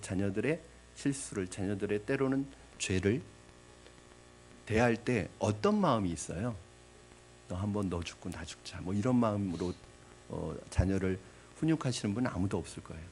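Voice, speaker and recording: Slight background noise accompanies a male pastor's sermon, delivered in a fairly low, darkish voice that's animated and at normal speed. He questions his congregation rhetorically and dramatizes the voices in the parable.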